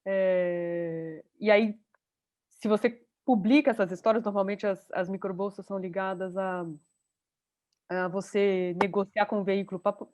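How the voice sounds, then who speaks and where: A woman's voice: mid-range voice, steady tone, a little slow, darkish tone. A woman teaching an online journalism class over a video call, talking in a chatty way and thinking aloud. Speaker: journalism course instructor.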